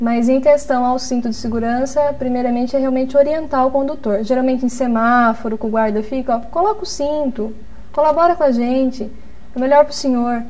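With ordinary pitch variation, a woman speaks fairly quickly in a high voice. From Leme, São Paulo state, Brazil; São Paulo, Brazil. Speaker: municipal guard officer. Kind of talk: TV interview. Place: studio.

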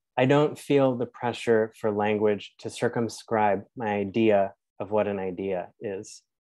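A man with a fairly low pitch and a dark, mellow tone speaks at a fairly slow pace, the sound dry with no echo over a quiet background. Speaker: arts nonprofit director. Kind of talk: event hosting and introductions. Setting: video call. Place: home room. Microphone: earbuds.

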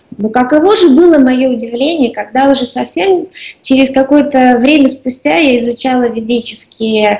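Her pitch is high. The woman keeps a moderate pace. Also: ordinary pitch variation. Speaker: remote interview guest. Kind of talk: interview answer. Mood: warm storytelling. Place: home room. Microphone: video call.

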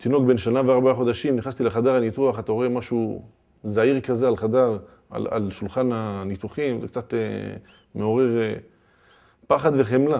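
This man's voice has a dark, mellow tone and fairly even intonation. The background is quiet. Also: moderate pace. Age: 40s. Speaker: father recounting a rocket attack; interviewee. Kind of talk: testimony. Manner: halting. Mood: emotional, reflective storytelling. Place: studio.

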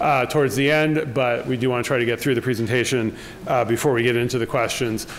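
Over light background noise, a man talks at a very fast pace with fairly even intonation and very even loudness. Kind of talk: public meeting remarks. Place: hall. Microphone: podium.

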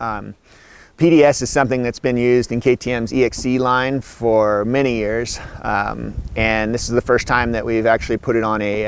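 The sound is dry with no echo as a man speaks at a moderate pace. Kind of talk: interview answer. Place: open country.

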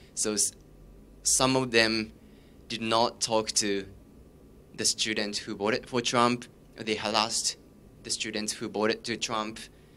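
Delivered in a Japanese accent at a fairly slow pace, the voice has a bright, sharp tone, monotone, flat intonation, and long, frequent pauses. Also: man, medium pitch for a man. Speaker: exchange student. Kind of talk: group discussion. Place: meeting room. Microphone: handheld.

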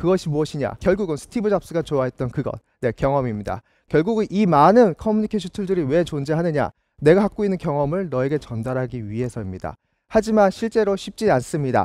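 A man talks very fast at a fairly high pitch with very wide pitch swings. His tone is dark and mellow, and the sound is dry with no echo. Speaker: university professor. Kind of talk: lecture. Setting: lecture space, standing. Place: stage. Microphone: headset.

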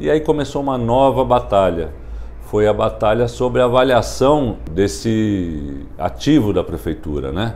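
A man's fairly low voice at a fairly slow pace, with very wide pitch swings. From Brazil, São Paulo. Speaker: city councilman. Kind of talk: political commentary, rally-style speech. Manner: firm, combative. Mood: critical, explanatory. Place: office. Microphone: lapel.

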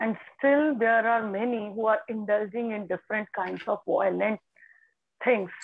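Pitched fairly high, a woman speaks in an unremarkable speaking voice at a fairly slow pace with fairly even intonation. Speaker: segment anchor. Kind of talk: compering an online poetry event. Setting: video call.

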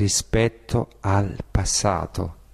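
A man is speaking. The background is quiet. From born in France, back in Abruzzo (Teramo) at seven; Abruzzo, Italy. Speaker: contemporary artist. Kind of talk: interview; lecture. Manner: animated. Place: meeting room. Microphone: handheld.

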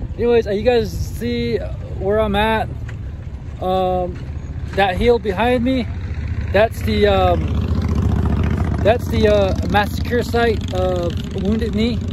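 At a very slow pace with long, frequent pauses, a man talks in a dry sound with no echo over noticeable background noise. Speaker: vlogger. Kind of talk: casual vlog chat. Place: open country. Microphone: phone near.

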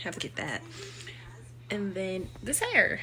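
A fairly low-pitched woman at a moderate pace, with faint music in the background. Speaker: vlogger. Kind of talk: casual vlog chat. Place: home room. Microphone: phone near.

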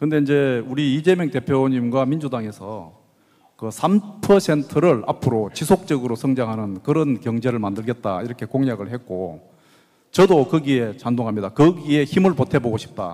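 This man's voice has a dark, mellow tone at a medium pitch, with lively intonation. He keeps a moderate pace over a quiet background. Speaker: former car company executive, political recruit. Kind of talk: talk concert. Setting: stage with audience. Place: hall. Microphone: handheld.

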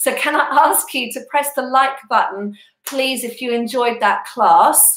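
High-pitched speech from a woman at a moderate pace, ordinary pitch variation, audible room echo and a quiet background. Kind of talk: live-streamed exercise class instruction and chat. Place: home room.

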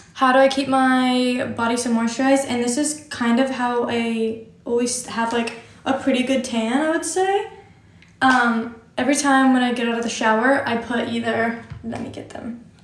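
In an audible room echo, a woman with an American accent speaks at a moderate pace. Her pitch is high and her intonation fairly even. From Indiana. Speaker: lifestyle livestreamer. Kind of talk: casual livestream Q&A while doing makeup. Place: home room. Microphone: phone near.

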